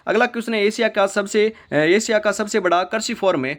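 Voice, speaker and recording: A man's voice: sits high, fairly quick. A man running an online exam quiz class from a rooftop, reading each question and its options and then repeating the answer and the option number as he calls his viewers brother and friends. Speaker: quiz teacher. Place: rooftop, outdoors in early morning. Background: animal and bird sounds.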